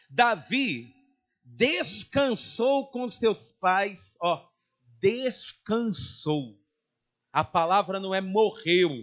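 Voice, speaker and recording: High-voiced Brazilian pastor preaching. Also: male voice, a bit bright. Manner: dramatic, questions the congregation. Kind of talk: sermon. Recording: dull lo-fi recording.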